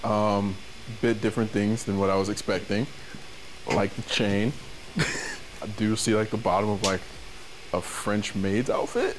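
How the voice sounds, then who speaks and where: A man's voice: fairly low pitch, fairly even intonation, measured pace, long pauses, background noise. A young man chatting casually and politely as a dating show contestant in a studio, a bit apologetic. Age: young adult. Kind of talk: casual, unscripted chat. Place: white studio.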